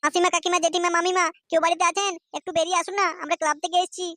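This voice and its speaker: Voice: very high-pitched, little pitch movement, racing, pushed and bright, no room sound. A performer voicing a young boy, an eager but uneasy prankster's sidekick in a Bengali comedy cartoon. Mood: coaxing.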